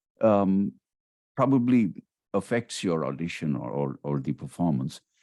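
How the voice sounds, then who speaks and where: A man with an Indian accent and a dark, mellow tone speaks at a moderate pace with very wide pitch swings. The sound is dry and close with no echo, over a quiet background. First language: not English. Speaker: voiceover artist and competition judge. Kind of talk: panel discussion. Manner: halting, many repetitions.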